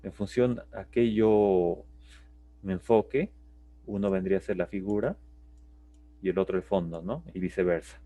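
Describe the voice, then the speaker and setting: Low, mellow-voiced male teacher lecturing. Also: fairly even intonation, normal speed, long pauses, dry recording, far from the mic, highs cut off. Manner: explanatory, with frequent tag questions and restarts. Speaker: psychology teacher. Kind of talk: live online class lecture.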